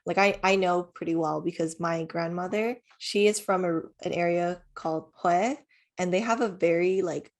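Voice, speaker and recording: Low-voiced young woman, candid and casual. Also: normal speed. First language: Vietnamese. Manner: candid, swears freely, teasing emphatic asides. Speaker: podcast co-host. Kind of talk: casual chat.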